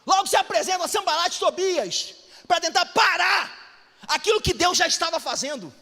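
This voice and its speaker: A man with a Brazilian Portuguese accent preaching a fervent sermon, often rising to shouted exhortations, in an echoey church hall. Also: extremely high pitch, animated, normal speed. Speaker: pastor.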